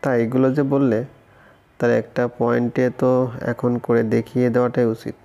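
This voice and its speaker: A man's voice: medium pitch, little pitch movement, moderate pace, mellow, natural voice. A man reading as a teasing arrogant young man.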